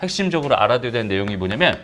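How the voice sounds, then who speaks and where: Male math teacher, casual lecturing, very animated pitch, asks and answers his own questions. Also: racing, background noise. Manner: chatty, asks students questions and answers them himself.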